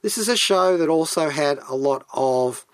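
A man's voice: on the high side, lively intonation, moderate pace, no echo. Geeky male radio host, dry close sound. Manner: geeky, enthusiastic, rambling asides. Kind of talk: chatty solo radio monologue. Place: radio studio.

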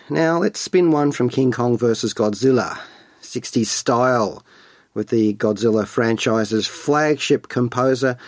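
A man's voice: medium pitch, no echo, studio quality. A man hosting a radio show, reading scripted film and music commentary in a playful, wordy, colloquial way.

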